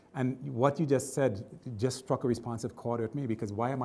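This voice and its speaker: The voice is somewhat breathy, with a dark, mellow tone. It moves at a fairly quick pace. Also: man. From Saint Vincent and the Grenadines. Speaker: professor. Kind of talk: lecture. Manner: fast when excited; animated.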